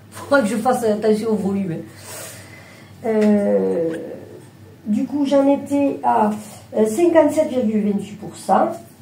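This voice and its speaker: Room echo and noticeable background noise surround a woman speaking. She talks very slowly with lively intonation and long, frequent pauses. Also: fairly high pitch for a woman. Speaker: craft vlogger. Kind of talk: casual chat. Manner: halting; loud.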